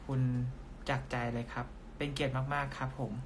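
A man speaks in a bright, sharp tone. Light background noise sits behind him. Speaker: live streamer. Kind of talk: casual vlog chat. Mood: playful, relaxed late night. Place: home room. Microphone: phone near.

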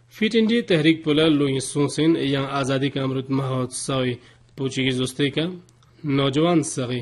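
The voice is somewhat breathy with ordinary pitch variation, set against a quiet background. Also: man, fairly high pitch for a man, moderate pace. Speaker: radio news reader. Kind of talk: formal news bulletin reading. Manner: formal, steady, even-paced newsreader delivery. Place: studio.

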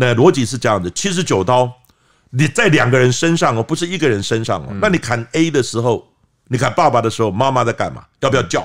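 Against a quiet background, a man talks at a very fast pace. His pitch is medium and his intonation lively. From Taiwan. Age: 60s. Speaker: forensic expert; guest. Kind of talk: interview. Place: studio. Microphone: studio mic.

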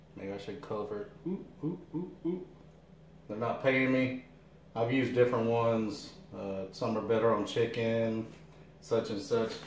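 A man speaks with lively intonation and long, frequent pauses. The room echo is audible, with light background noise. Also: medium pitch for a man, fairly slow pace. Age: 40s. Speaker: barbecue cook / video host; video host. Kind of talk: cooking tutorial. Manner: casual, conversational. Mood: playful, relaxed. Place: kitchen.

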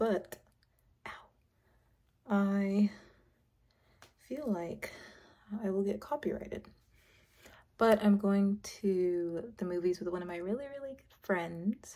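Over a quiet background, a woman with a dark, mellow tone talks at a very slow pace, with long, frequent pauses, big swings in loudness and ordinary pitch variation. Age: 20s. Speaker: vlogger. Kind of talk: casual vlog talk to camera. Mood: upbeat, chatty. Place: home room. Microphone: phone near.

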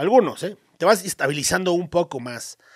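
With a Mexican accent, a man talks in an animated tone with vocal fry over a quiet background. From Mexico. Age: 40s. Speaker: firearms channel host and shooting instructor; firearms channel host, shooting instructor. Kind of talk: casual vlog monologue; casual podcast commentary. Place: home room. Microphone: studio mic.

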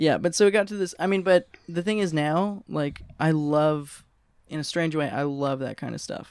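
Against a quiet background and a dry sound with no echo, a man talks at a moderate pace and fairly high pitch, with ordinary pitch variation. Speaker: podcast host. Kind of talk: casual interview conversation. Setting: on location at guest's place. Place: studio. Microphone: studio mic.

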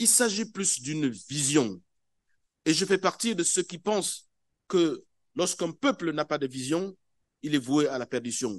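With a fairly high pitch and very wide pitch swings, a man speaks at a fairly slow pace, leaving long, frequent pauses. The sound is dry with no echo over a quiet background. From Gabon. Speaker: ambassador and diplomat. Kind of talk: formal lecture to a seminar. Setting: seminar room with simultaneous interpreters. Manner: formal. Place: hall. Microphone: podium.

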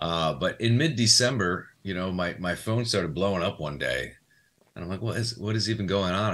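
A man talks at a fairly quick pace with an American accent. His pitch is very deep and low. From upstate New York, near Albany; upstate New York. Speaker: actor. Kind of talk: casual interview. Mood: relaxed, good-humored. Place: home room. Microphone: webcam.

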